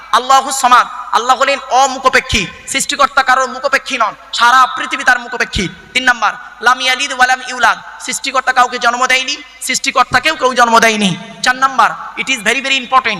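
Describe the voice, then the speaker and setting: A man's voice: extremely high pitch, sharp tone, in a large hall. A male preacher gives a waz sermon, emphatic and teaching, with many rhetorical questions. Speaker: Islamic preacher.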